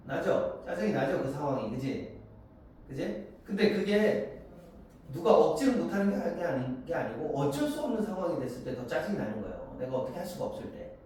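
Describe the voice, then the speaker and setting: Man lecturing in an echoey classroom. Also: fairly high pitch. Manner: lively and animated, keeps asking students for agreement; acts out the lines of characters and students in quick voices. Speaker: Korean literature teacher. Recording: very echoey classroom, voice far from the mic, faint hiss.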